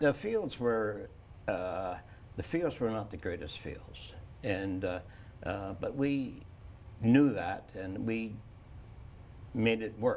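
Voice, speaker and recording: A man talks at a very slow pace, leaving long, frequent pauses. The room echo is audible. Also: medium pitch for a man, ordinary pitch variation. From Peterborough, Ontario, Canada. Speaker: retired baseball manager. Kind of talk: interview. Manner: halting, many fillers.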